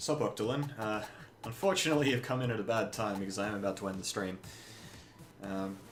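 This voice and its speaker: Over noticeable background noise and audible room echo, a man with a slight Australian accent speaks very fast in a fairly low voice with ordinary pitch variation and long, frequent pauses. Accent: slightly posh Australian. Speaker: video game streamer. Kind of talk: casual live stream chat.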